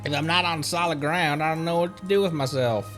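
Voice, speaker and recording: A man's voice: a little high, brisk, fairly bright tone, faint music behind. A man hosting a game livestream, chatting casually with viewers and rambling as he thinks aloud. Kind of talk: casual gaming chat with viewers.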